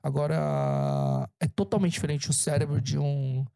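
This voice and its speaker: A man's voice: fairly high pitch, quick pace, mellow, no room sound, studio quality. A man, an actor, chatting casually as a guest, often restarting his words. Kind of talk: casual conversation.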